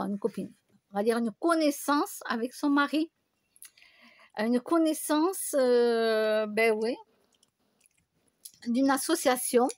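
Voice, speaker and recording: Rambling, high-voiced woman vlogger. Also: creaky, no room sound, clean studio sound. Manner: rambling, chatty storytelling with many fillers and restarts. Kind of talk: casual chat to camera.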